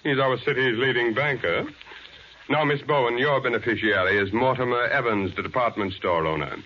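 An actor playing a suave, menacing crime boss who talks with polite, theatrical courtesy in a 1940s radio drama. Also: male voice, mid-range voice, normal speed, lightly acted. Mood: suave, controlled. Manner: polite, smooth-talking, theatrical. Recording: muffled, noisy 1940s radio recording.

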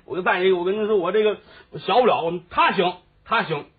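A man's voice: high-pitched, fast, breathy edge. A man telling a comic story and acting out every character, breaking into snatches of song. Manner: switches voices between characters, sings opera snatches. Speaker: crosstalk storyteller. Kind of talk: comic storytelling with sung parts. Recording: phone-like lo-fi recording with faint music.

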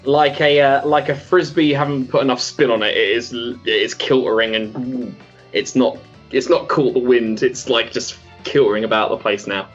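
A man narrates as game master of a tabletop game, loose and chatty, his descriptions full of fillers and little laughs. His pitch sits in the middle range. A faint music bed plays under him. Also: steady tone, moderate pace, muffled recording.

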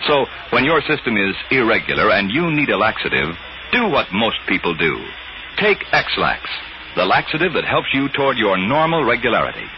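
A man's voice: lowish voice, big pitch swings, moderate pace, lo-fi sound, slight background noise. A man reading a chipper 1950s radio commercial with a polished, emphatic salesman delivery, on an old broadcast recording. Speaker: commercial announcer.

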